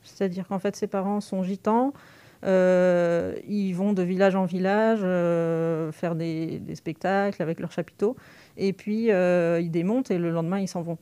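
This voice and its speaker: A woman university lecturer answering radio interview questions thoughtfully, pausing often with fillers as she thinks. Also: lowish voice, fairly even intonation, warm tone, smooth. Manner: thoughtful, hesitant with frequent fillers.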